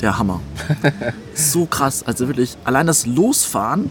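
Over noticeable background noise, a man talks fairly quickly at a medium pitch. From Kazakhstan, Russian family. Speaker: van life podcast guest, entrepreneur. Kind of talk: casual interview chat.

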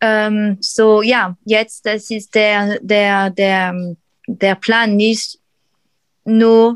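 A woman speaks at a very slow pace with a fairly high pitch, monotone, flat intonation, and long, frequent pauses. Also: dry, close sound with no echo. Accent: French. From France. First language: French (speaking German). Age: 30s. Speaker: painter. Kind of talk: interview. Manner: halting.

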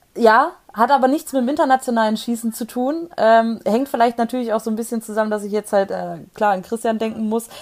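A woman with an unremarkable speaking voice talks at a fairly high pitch with ordinary pitch variation and hardly any pauses. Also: fairly quick pace. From Lower Saxony, Germany (Harz foreland, Goslar). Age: 20s. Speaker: competitive rifle shooter. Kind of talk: interview. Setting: at home, remote call.

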